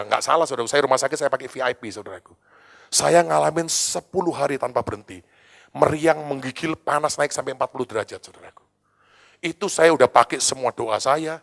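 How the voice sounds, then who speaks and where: Gravelly pastor preaching. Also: male voice, on the high side, a bit bright. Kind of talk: sermon.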